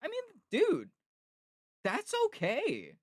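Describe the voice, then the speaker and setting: A man streamer and voice actor chatting casually, relaxed and self-mocking, into a close mic. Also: very high voice, slow pace, no room sound. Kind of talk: casual chat.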